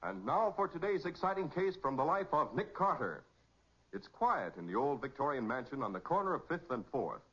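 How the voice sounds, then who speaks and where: A man's voice: on the high side, very animated, moderate pace, a bit bright, slightly rough, faint music behind. An American man announcing and narrating in scripted 1940s radio style, dramatic and emphatic. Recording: muffled 1940s radio recording.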